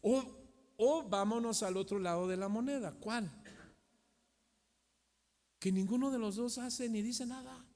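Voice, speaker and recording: A middle-aged Mexican pastor preaching a sermon, asking the congregation questions and moving between loud and hushed delivery. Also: male voice, extremely high pitch, a little slow, pauses often. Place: church hall. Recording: long church hall reverb.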